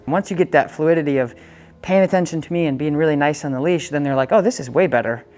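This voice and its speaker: A woman's voice: deep voice, fast, darkish tone, faint music behind. A woman working as a dog trainer, coaching owners in a casual, chatty way and breaking off to give the dog short, upbeat commands.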